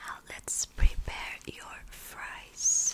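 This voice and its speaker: Very slow, soft-spoken whispering. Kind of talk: role-play pretend play narration. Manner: soft close ASMR whisper. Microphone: phone near.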